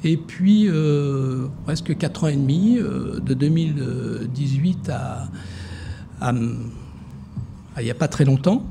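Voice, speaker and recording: A man's voice: mid-range voice, slow pace, gravelly, noisy background. A man giving hesitant, filler-heavy answers in a TV interview as director of a social security fund. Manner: hesitant, many fillers and restarts.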